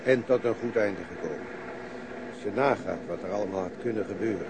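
A male actor plays a relieved, reflective police colleague in a radio drama. His voice is fairly low, and the old recording is very noisy. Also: fairly quick, close to an everyday voice. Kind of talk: naturalistic radio drama acting.

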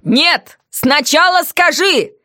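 A loud, demanding male captor, as a woman reader puts him on, bad-tempered and impatient, shouting down at his prisoner in an audiobook. The voice sits fairly high and sounds dry and close. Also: expressive, takes it slowly, no echo, full character voice. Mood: insistent.

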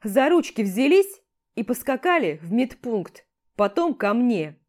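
A woman's voice: fairly high pitch, very animated, unhurried. A woman reading an audiobook voices a furious, sarcastic male army commander who barks orders. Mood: yelling. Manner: barking orders, yelling.

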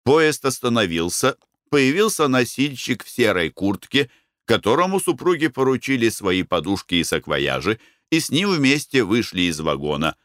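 A man reading a novel aloud as an audiobook narrator, measured and expressive. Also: mid-range voice, no room sound, clean studio sound. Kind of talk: scripted narration.

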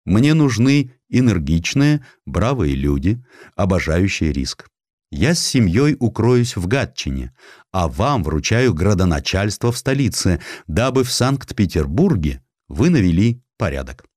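Man as an imperious, gruff, deliberate tsar. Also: lowish voice, very animated, a little mellow, dry recording, clean studio sound. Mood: commanding. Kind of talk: dramatized audiobook.

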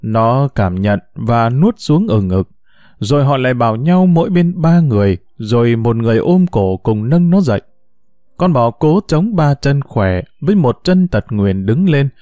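Expressive male storyteller, warm and lively. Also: medium pitch, no echo. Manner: expressive, emotive. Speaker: narrator. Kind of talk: storytelling narration.

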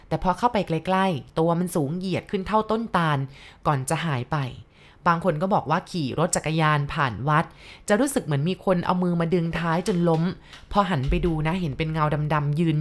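A woman narrating a ghost story for listeners, speaking politely and addressing the audience directly with soft courteous particles. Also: fairly low pitch.

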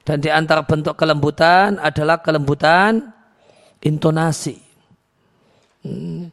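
A man giving an Islamic lecture on hadith, explaining calmly with many restarts and reciting Arabic verses before translating them. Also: a little high, unhurried. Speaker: Islamic teacher.

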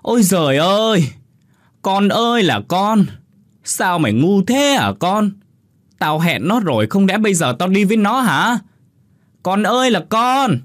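A man voicing a fussy, scolding older mother who wails and stammers in a high-pitched voice. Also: big pitch swings, unhurried, no echo, studio quality. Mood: wailing scold. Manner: shrill wailing scolding, flustered stammer.

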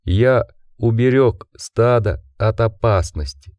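A man voicing a dying, gentle male werewolf who speaks slowly, stressing each word, weak and fading. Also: medium pitch, dry recording, studio quality, lightly acted. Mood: tender, fading.

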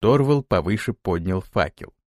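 Give me an expressive male narrator reading a fantasy story, dry and close. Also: deep voice, normal speed, no echo. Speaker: audiobook narrator. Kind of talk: scripted narration.

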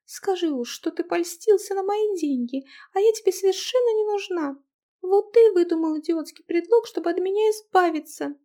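Woman doing a shrill, fiery young woman. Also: normal speed. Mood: angry. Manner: shrill, shouting indignantly. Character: hot-tempered young woman, fiery and stubborn.

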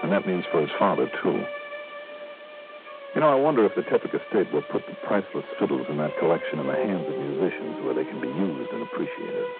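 An actor playing a wry, easygoing investigator in an old radio drama, with an American accent. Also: male voice, a bass voice, expressive, fast talker. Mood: matter-of-fact. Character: wry, easygoing male investigator narrating his cases. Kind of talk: 1960s radio drama acting. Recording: tinny old radio, music behind.

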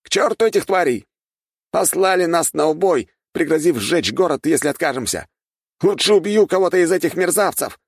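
A man voicing a desperate, furious low-caste male soldier shouting in anger. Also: animated, normal speed, husky, dry recording, studio quality. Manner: angry shouting.

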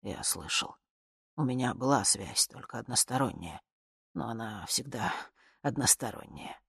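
A woman reading an audiobook, voicing an old male dictator who swings from loud grumbling to hushed, sulky muttering. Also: medium pitch, normal speed, gravelly, no room sound, studio quality. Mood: subdued.

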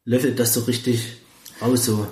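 A man's voice: medium pitch, level tone, moderate pace, darkish tone, reverberant. A man running a tabletop role-playing game, improvising narration in a casual, chatty style. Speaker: game master.

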